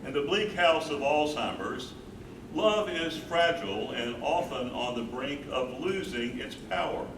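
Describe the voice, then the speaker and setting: A man's voice: medium pitch, lively intonation, unhurried, lightly acted. An older man playing an earnest, devoted husband and caregiver in a staged reading, with emphatic phrasing. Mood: grave, emphatic. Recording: roomy, distant, noisy live stage recording.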